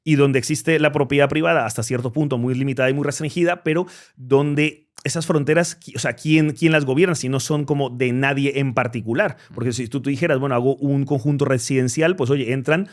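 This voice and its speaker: A man's voice: mid-range voice, fairly even intonation, fairly quick. A man in his forties with a blend of Spanish and Latin American accents, speaking as an interview guest in an emphatic way and often repeating words while he gathers his thoughts. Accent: mixed Spanish and Latin American. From Spain. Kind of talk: conversational interview.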